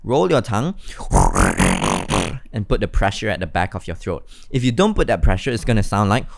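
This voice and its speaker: A man's voice: on the low side, very animated, moderate pace. A man teaching beatbox step by step in an encouraging, instructional way. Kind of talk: step-by-step tutorial.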